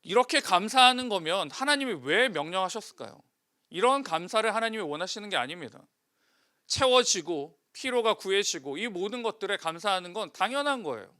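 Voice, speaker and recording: High, bright-voiced male pastor preaching. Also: lively intonation, brisk. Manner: asks the congregation rhetorical questions and answers them. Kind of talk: sermon.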